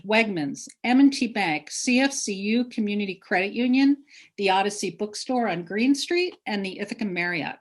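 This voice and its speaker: A woman with a medium-pitched voice speaks as the organizer of an online event. She makes housekeeping announcements and introductions over a video call.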